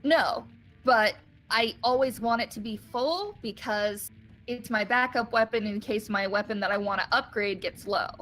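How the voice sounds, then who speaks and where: A young woman with a high voice, hosting a casual game playthrough, joking and laughing as she plays. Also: normal speed, a bit bright, poor audio. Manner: laughy, joking, self-deprecating. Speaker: let's play host. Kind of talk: casual gameplay commentary. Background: faint game music.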